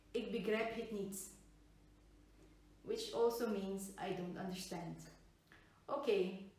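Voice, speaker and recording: A woman teaching a slow, careful beginner language lesson, saying each phrase and then its meaning. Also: medium pitch, far from the mic. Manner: slow, careful, repeats phrases with English translations. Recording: very echoey room, off-mic.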